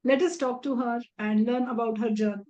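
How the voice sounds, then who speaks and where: A woman's voice: a little high, fairly even intonation, fairly quick, warm tone, dull audio. A woman with an Indian English accent hosting an interview, introducing her guest and asking questions politely. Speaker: interview host.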